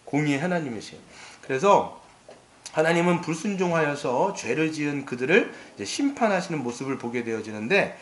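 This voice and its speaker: A middle-aged male pastor preaching a sermon in an animated way, acting out quoted lines and asking the congregation questions. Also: a little high, brisk. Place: church sanctuary. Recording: echoey church hall.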